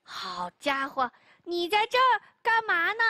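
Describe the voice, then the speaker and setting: A woman's voice: extremely high pitch, huge pitch swings, unhurried, pushed and bright, dry recording, studio quality, heavily acted. A woman voicing a fearless little boy who teases and chants playful rhymes. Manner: playful, teasing, sing-song rhymes. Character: cheeky fearless little boy, youngest child.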